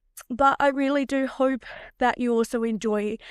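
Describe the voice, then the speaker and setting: The voice belongs to a woman. With no echo, the sound is dry and close on a very clean recording, and the background is silent. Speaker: spiritual medium podcast host. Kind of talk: podcast monologue.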